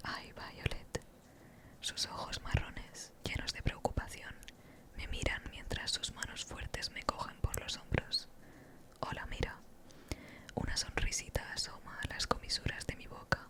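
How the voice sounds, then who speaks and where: Someone whispers at a fairly slow pace, leaving long, frequent pauses, with noticeable background noise behind. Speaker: ASMR creator. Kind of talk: read story. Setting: rain in the background. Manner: soft-spoken, whispered.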